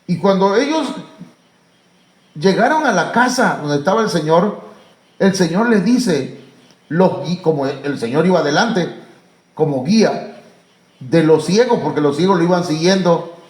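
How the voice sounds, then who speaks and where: A Mexican pastor preaches in a fairly high voice, stalling on fillers and then climbing to emphatic, ringing calls. His sermon carries the echo of a church room. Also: animated, a little slow, long pauses. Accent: Mexican Spanish.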